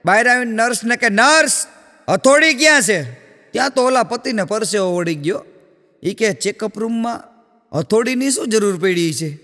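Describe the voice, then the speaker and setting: A man's voice: high-pitched, lively intonation, normal speed, a bit bright, in a large hall. A man doing stand-up comedy, telling joke stories with acted dialogue on a live stage. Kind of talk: Gujarati stand-up jokes.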